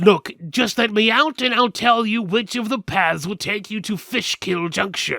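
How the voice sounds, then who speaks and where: A man's put-on character voice, high-pitched, at a moderate pace with hardly any pauses, on a very clean recording with a silent background. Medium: read story. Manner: persuasive, casual.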